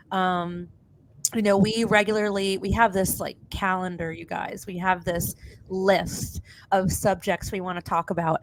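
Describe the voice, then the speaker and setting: A woman's voice: medium pitch, poor audio. A woman hosting a podcast in casual chat, blunt and sweary, sounding sniffly with a cold. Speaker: podcast host.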